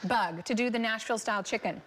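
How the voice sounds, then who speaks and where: Upbeat woman TV host, slightly high. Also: quick pace, fairly bright tone. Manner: upbeat, gushing reactions while tasting. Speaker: TV lifestyle show host. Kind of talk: lively studio interview and food tasting.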